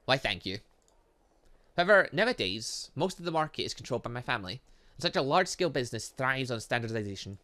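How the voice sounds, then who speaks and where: A man voicing a refined young heiress in a visual novel, reading her formal lines in a measured, slightly halting way. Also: medium pitch, big pitch swings, pushed and bright. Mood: composed. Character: refined, prim young heiress, earnest about her passion.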